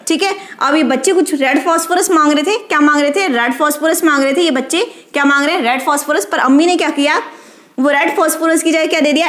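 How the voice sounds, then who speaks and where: High-voiced woman teacher in a roomy echo. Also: fairly bright tone. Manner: drills by asking questions and answering them herself. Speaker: chemistry teacher. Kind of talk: explaining a lesson with a memory trick.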